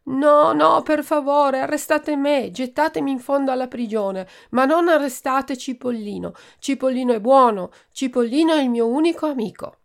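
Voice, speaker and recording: A sick little viscount boy begs in a high, tearful voice, as a woman reads him aloud. His pleading rises well above a plain speaking voice and carries a faint gravelly edge. He is a storybook figure, gentle and desperate. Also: normal speed, few pauses.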